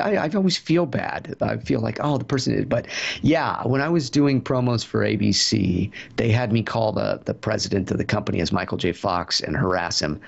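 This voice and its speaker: Lower-pitched man with a gravelly edge, chatty storyteller with lots of fillers, heard over a dull lo-fi line. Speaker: voice actor guest. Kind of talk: casual interview answers.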